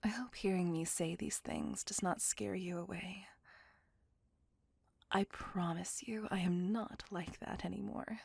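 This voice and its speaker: A woman voicing a brooding, possessive female vampire in a whispered ASMR roleplay, speaking in a soft, breathy, gravelly whisper close to the mic. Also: lowish voice, fairly even intonation, measured pace, no echo, heavily acted. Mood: brooding confessional. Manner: soft confessional whisper throughout.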